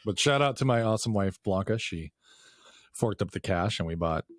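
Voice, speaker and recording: A man co-hosting a casual podcast, joking dryly with quick asides. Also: fairly low pitch, lively intonation, no room sound, studio quality. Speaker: podcast co-host. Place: small room in front of a green screen.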